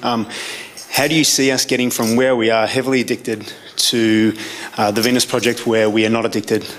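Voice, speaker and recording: A man in the audience asking unscripted questions in a measured, slightly hesitant way at a live event. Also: medium pitch, a bit bright. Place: public Q&A after a film screening. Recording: noisy live hall recording.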